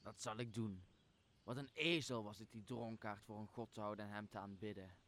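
A man's voice: lowish voice, brisk, a bit bright, slight background noise, natural voice. A man playing a servile, fearful monster, half devil, cowed before his master in an amateur radio play. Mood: servile, regretful. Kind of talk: stage-like Dutch radio drama acting.

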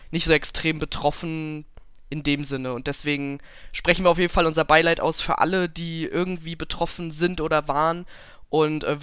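Smooth-voiced young woman chatting casually. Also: low voice, no echo, studio quality. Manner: relaxed, chatty, with frequent laughs. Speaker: podcast co-host. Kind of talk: casual podcast chat.

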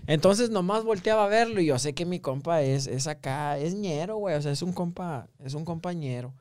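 A man tells stories in a casual chat among friends. His voice sits a little high, and he keeps dropping into slang and laughing as he acts out the people in his tales. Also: lively intonation, moderate pace, a little mellow, clean tone. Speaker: podcast host.

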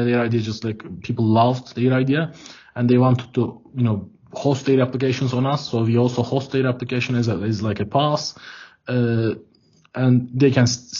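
A man's voice: medium pitch, mellow, husky. Hesitant Turkish-accented man on a call. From Turkey. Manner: hesitant, repeats words and leans on filler words. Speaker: guest, product head of a developer tool startup. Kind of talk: casual interview answers. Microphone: video call. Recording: dull lo-fi call audio.

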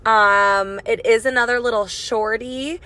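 A raspy young woman hosting a casual solo podcast, chatty and swearing freely, recorded on a phone mic in her car. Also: on the high side, fairly even intonation, measured pace, pushed and bright. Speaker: podcast host. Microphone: phone microphone.

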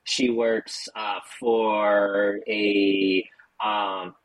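A man's voice: fairly low pitch, level tone, extremely slow, slight background noise, low-quality recording. An American man hosting a podcast, chatting casually with lots of fillers and small talk. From United States. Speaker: podcast host. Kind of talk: casual interview chat. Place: Chicago.

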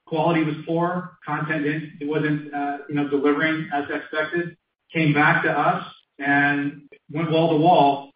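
A male company executive answers on an earnings call in assured, wordy business language. His mid-pitched voice sounds dull and set back from the mic, in a roomy space. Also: level tone, a little slow, far from the mic, slight background noise. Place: conference call from a room.

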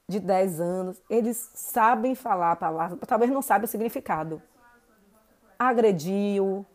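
A woman's voice: medium pitch, a little mellow. A woman in her forties from Salvador with a Bahian Portuguese accent, hosting a casual monologue podcast and chatting straight to her listeners. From Brazil. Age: 40s. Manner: chatty, keeps addressing listeners with "gente" and "né". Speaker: podcast host.

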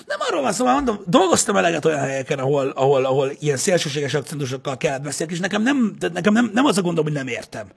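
A young man in casual chat, ranting, swearing and now and then shouting as he co-hosts. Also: fairly high pitch, sing-song, gravelly, few pauses, husky.

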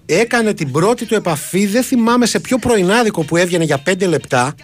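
A man's voice: high-pitched, expressive. A man co-hosting a radio talk show, bantering casually and telling anecdotes with put-on quotes. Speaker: radio co-host.

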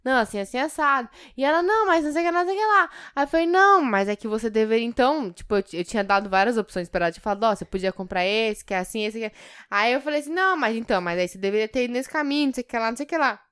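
A woman's voice: a little high, very fast, fairly bright tone, clean tone, dry recording, studio quality. A woman, co-hosting a podcast in casual chat, telling stories and acting out quoted dialogue. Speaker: podcast co-host.

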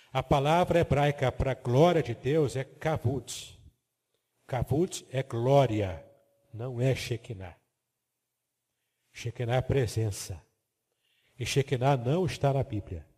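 A man's voice: mid-range voice, measured pace, pauses often, dark tone, slightly rough, in a large hall. A man teaching the Bible from slides, explaining terms step by step and checking that the listener follows. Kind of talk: biblical teaching lecture with slides.

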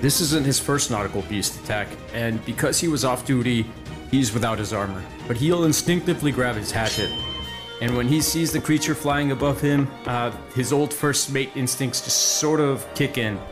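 A man's voice: medium pitch, moderate pace. Casual male roleplayer, music behind. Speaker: player in an actual-play podcast. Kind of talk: improvised character narration. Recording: music bed under voice.

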